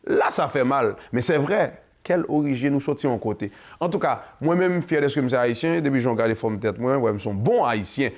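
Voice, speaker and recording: His voice is medium in pitch, expressive and fairly quick, with few pauses and a somewhat dark tone. The Haitian-accented host of a community show speaks passionately to camera, mixing Creole into French and singing along the way.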